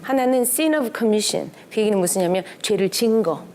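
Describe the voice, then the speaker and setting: A middle-aged woman teaching relationship skills in a lively seminar talk, animated and often laughing as she mimics quotes. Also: mid-range voice, normal speed.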